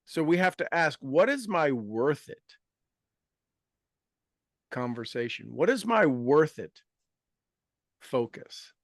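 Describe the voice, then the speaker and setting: A man's voice: fairly high pitch, very animated, slow pace, pauses often, no echo, studio quality. A man in his fifties hosting a motivational group talk, emphatic and repeating his key phrases. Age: 50s. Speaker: host and coach.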